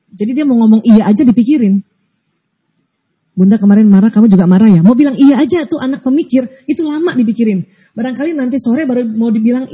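A woman's voice: a little high, dark tone, slightly rough. A woman giving a casual religious talk on parenting, acting out what parents and children say. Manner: acts out parent and child lines. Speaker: parenting speaker. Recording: dull lo-fi recording.

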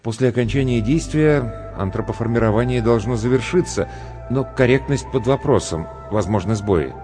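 A man voicing a calm, gentle old male scientist who speaks soothingly. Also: mid-range voice, normal speed, voice pushed up, lightly acted. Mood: quiet. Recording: long reverb with faint music.

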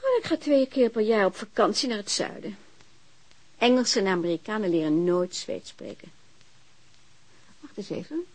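An actress plays a vain, flirty female telephone operator in a radio drama. Her voice is very animated, with big swoops in pitch. She is chatty, playful and openly teasing. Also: moderate pace, pauses often, close to an everyday voice. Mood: chatty, musing.

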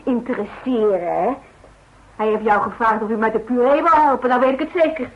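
Radio drama daughter, played by a woman: husky, stern, challenging, worried for her father, on a dull old recording. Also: fairly high pitch, a little fast, close to an everyday voice. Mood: suspicious, probing. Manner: blunt, probing, challenging. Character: protective, stern grown daughter, sharp-tongued and worried. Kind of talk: Dutch radio play acting.

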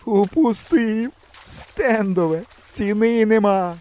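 A man reading a storybook, voicing a fussy grown-up hunter who drawls his words slowly. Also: high voice, a little mellow, voice pushed up. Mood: lamenting.

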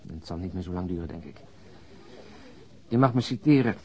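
A man's voice: low voice, animated, brisk, darkish tone. An actor in a radio drama playing an overweight, jovial, world-weary policeman who talks bluntly and chattily with mild swearing. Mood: confiding. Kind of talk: naturalistic Dutch radio drama acting.

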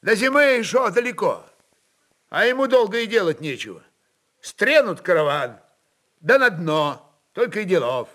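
A man's voice: high-pitched, big pitch swings, normal speed, long pauses, fairly bright tone, pitched above the performer's own voice. A man playing an anxious, exasperated voivode of old Tsarist Russia, emphatic and commanding in old folk phrasing.

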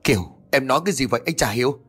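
A man voicing a worried young husband in a horror story, hurried and pleading. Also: medium pitch, expressive, fairly bright tone, husky, faint music behind. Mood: bewildered.

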